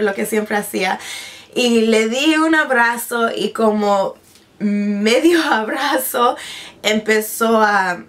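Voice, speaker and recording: A woman's voice: mid-range voice, fairly bright tone. Chatty young woman vlogging at home. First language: Spanish, now mainly speaks English. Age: 20s. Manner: chatty, with frequent restarts and English words slipped in. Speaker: beauty vlogger. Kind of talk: casual personal vlog. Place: bedroom with vanity desk, indoors. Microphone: camera in front, seated at medium distance.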